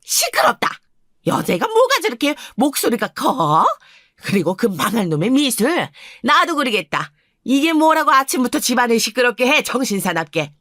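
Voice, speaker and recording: A woman's voice: a little high, sing-song, moderate pace, a bit bright, dry recording, studio quality, voice pushed up. A woman voicing a harsh old grandmother who scolds scornfully in a radio story drama.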